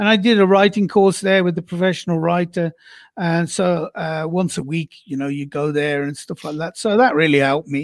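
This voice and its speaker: The recording is very clean, with a silent background and a dry, close sound with no echo. A man with a Birmingham accent speaks at a high pitch with ordinary pitch variation. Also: moderate pace. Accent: Birmingham (Brummie) English. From Birmingham, England. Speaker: author. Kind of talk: interview.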